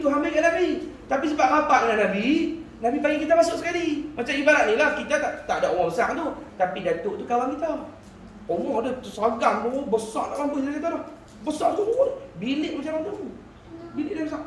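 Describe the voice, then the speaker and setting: A man's voice: very high-pitched, a little hiss or hum. A man preaching in a village prayer hall, telling stories with humor and acting out quoted speech. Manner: animated storytelling with laughter and acted quotes. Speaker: religious teacher. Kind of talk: village mosque sermon. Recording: echoey hall, speaker far from mic.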